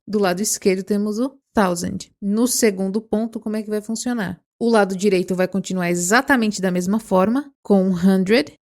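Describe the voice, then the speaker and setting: A woman with a Brazilian accent teaching an English lesson, patiently slowing down to walk through each example. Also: mid-range voice, darkish tone. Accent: Brazilian Portuguese. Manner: patient, slows down to spell out examples. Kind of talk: explaining a lesson step by step.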